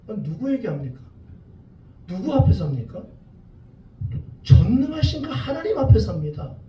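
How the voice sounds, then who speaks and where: A man's voice: extremely high pitch, a little mellow. A male associate pastor preaching a sermon, firing rhetorical questions and acting out prayers with passion. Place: church sanctuary in Toronto. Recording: echoey church room, far from the mic, faint hiss.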